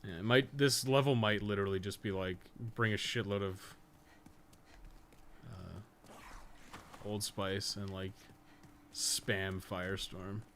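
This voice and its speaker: A game streamer and podcast co-host talks slowly through live gameplay in a lowish, steady, somewhat bright voice, leaving long pauses. His commentary is casual and rambling with some cursing, and slight background noise sits underneath.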